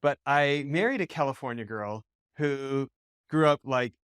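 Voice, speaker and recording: Man, from Western Canada, interview host, rambling questions, smooth clear voice, dry close sound. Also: mid-range voice, a little slow, a bit bright, no echo. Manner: rambling, many fillers, like and restarts. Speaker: podcast host. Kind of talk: casual interview.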